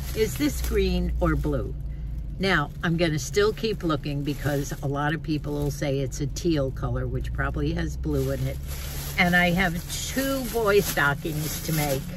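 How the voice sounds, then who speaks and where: A woman speaks at a fairly slow pace. The sound is dry with no echo, with noticeable background noise. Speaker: vlogger. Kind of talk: casual vlog chat. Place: car. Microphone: phone near.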